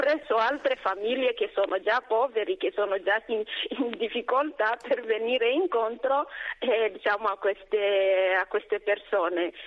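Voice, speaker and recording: With noticeable background noise behind her, a woman speaks at a fairly slow pace, keeping her loudness very even while her intonation stays lively. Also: fairly high pitch for a woman. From DR Congo, South Kivu. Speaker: nun, superior general of a congregation. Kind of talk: radio interview. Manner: halting, with many fillers.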